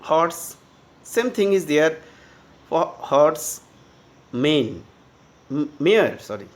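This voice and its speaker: Grammar teacher, very slow and animated, spells words out letter by letter. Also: mid-range voice. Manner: spells words out letter by letter, checks understanding often. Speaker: English teacher. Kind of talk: bilingual grammar lesson.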